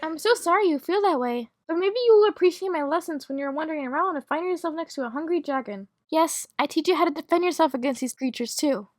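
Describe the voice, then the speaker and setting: A woman playing a timid, kindly magic-school creature teacher with a polite, hesitant manner in an animated roleplay story. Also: high-pitched, fast talker, few pauses, no echo, studio quality, natural voice. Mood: gentle, instructive.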